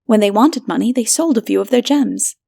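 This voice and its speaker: A woman's voice: a little high, lively intonation, a little fast, creaky, dark tone. A woman reading a story aloud as dramatic, scripted audiobook narration.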